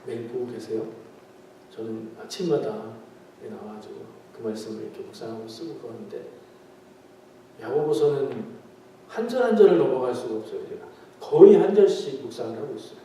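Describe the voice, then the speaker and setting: This pastor's voice is medium-pitched and dark, animated and brisk as he preaches a midweek prayer meeting sermon, asking the congregation questions and trading jokes. Slight background noise is present, and the church sanctuary sounds very echoey from a far-off mic.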